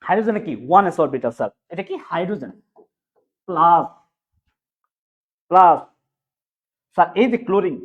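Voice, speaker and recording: A man teaching chemistry in an online exam-prep class, drilling students with quick repeated questions. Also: high voice, lively intonation. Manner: fast, repetitive question-and-answer drilling. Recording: phone-like narrow sound.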